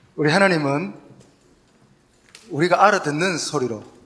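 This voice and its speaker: A moderate pace and ordinary pitch variation, with audible room echo. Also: man. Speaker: guest pastor. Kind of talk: sermon.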